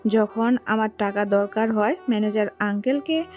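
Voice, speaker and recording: An actress playing a spoiled young daughter, coaxing and whiny. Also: female voice, medium pitch, moderate pace, a little mellow, muffled recording, soft background music, close to an everyday voice.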